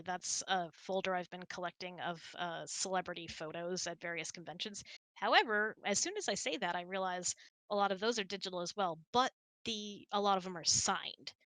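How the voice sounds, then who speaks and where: A woman's voice: fairly low pitch, normal speed, pushed and bright, no room sound. A woman hosting a casual online hangout, chatty and self-deprecating, thinking aloud as she answers audience questions. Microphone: close mic on an online voice chat.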